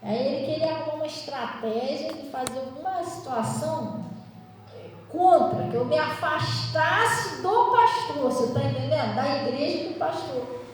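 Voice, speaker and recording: A woman's voice: high-pitched, normal speed, slight background noise. A woman pastor preaching a sermon in a chatty, storytelling way to her congregation. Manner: conversational, animated storytelling to the congregation. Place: church hall. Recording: distant mic in an echoey church hall.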